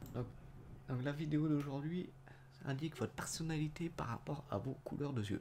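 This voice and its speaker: Speaking at a moderate pace with long, frequent pauses, a man with a fairly high pitch, ordinary pitch variation, and a dark, mellow, somewhat breathy tone. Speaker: YouTuber. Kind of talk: casual talk to viewers.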